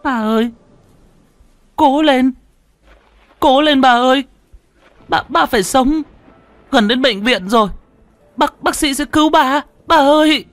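A man voicing a small, frightened boy who cries out high and desperate through his sobs. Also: slow pace, pauses often, no echo. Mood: sobbing plea.

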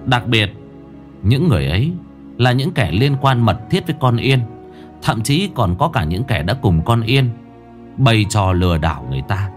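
A man's voice: on the low side, very animated, moderate pace, over music. A man narrating a ghost story in a dramatic storytelling manner.

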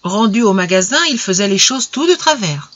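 A measured storybook narrator, muffled recording. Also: medium pitch, animated, fairly bright tone, no room sound. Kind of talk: audiobook story reading.

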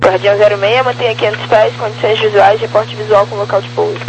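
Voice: mid-range voice, level tone, fast. An air traffic controller giving clipped, procedural instructions over an aviation radio link. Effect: aviation radio transmission. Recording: humming, noisy aviation radio.

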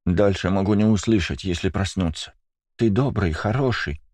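A man voicing a timid young girl with rabbit ears, speaking in a hushed, hesitant whisper. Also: deep voice, moderate pace, no echo. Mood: confiding.

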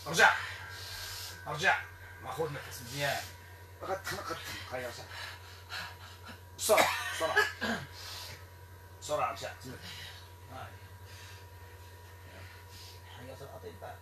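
A man with a Moroccan Arabic accent, performing an exorcism ritual in a stern, repetitive, commanding way that sometimes turns to shouting. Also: medium pitch, expressive, normal speed, pauses often. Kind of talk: ritual commands to a possessed person. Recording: echoey room, distant mic, noisy.

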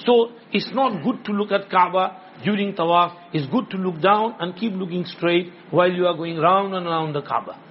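A man's voice: sits high, moderate pace, hardly any pauses. A man with a South Asian accent giving an informal religious lesson, instructing repetitively and checking that listeners follow. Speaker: religious teacher. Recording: dull lo-fi sound with background noise.

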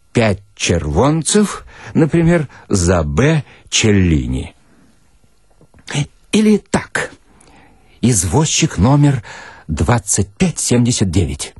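Casting: male narrator, lowish husky voice, dramatic delivery of comic literary prose. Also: no room sound, studio quality. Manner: expressive, dramatic, deliberate. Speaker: narrator, reader. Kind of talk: theatrical first-person literary story reading.

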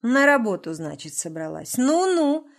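A woman's voice: medium pitch, moderate pace, close to an everyday voice. Menacing drunk husband, growling, sneering, audiobook figure, voiced by a woman narrator. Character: drunk abusive husband, middle-aged man.

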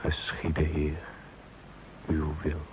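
A man's voice: rumbling low, completely flat delivery. A man giving a grave, reverent poetry recitation in a radio play. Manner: grave, slow, reverent phrasing. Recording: tinny narrow-band old radio recording, slight hiss.

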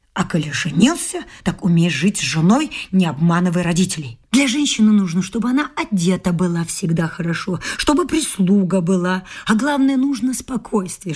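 A woman's voice: mid-range voice, husky. An actress in a radio play voicing a domineering, grasping middle-aged mother-in-law who scolds emphatically and haughtily. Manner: scolding, emphatic nagging with whispered scorn. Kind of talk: theatrical radio drama acting.

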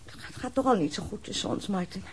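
An actress playing an aggrieved, reproachful wife of a police detective in a radio drama, complaining bitterly. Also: female voice, mid-range voice, lively intonation, a little fast, slight background noise, close to an everyday voice. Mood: hurt, bitter.

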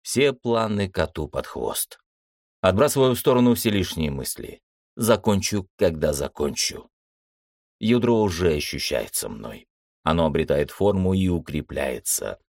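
A man with a very low, deep voice reads a fantasy novel aloud in the first person. His delivery is steady and measured, carrying a tense inner monologue. The sound is dry and close, with no room around it. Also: vocal fry, dry recording. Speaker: audiobook narrator. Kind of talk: first-person audiobook narration.

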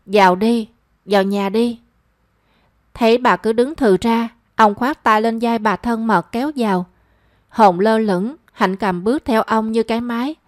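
A woman reading a romance story aloud as narrator, in a measured and expressive storytelling manner. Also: a little high, no echo, clean studio sound.

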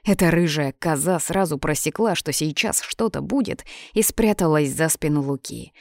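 A woman's voice: low-pitched, moderate pace, no room sound, clean studio sound. A woman narrating a first-person novel as a hot-tempered young man, in a plain audiobook reading voice.

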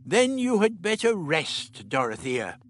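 A man voicing an irritable elderly male time traveller who lectures in a brisk, clipped, scolding way. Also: high voice, animated, a bit bright, voice pushed up.

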